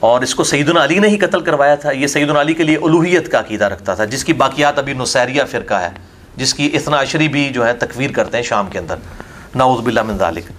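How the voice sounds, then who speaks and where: A man's voice: medium pitch, lively intonation, brisk, a bit bright. A man with a Pakistani Urdu accent, a religious scholar answering questions in an emphatic, scornful, argumentative lecture. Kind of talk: polemical Q&A lecture. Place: academy lecture hall.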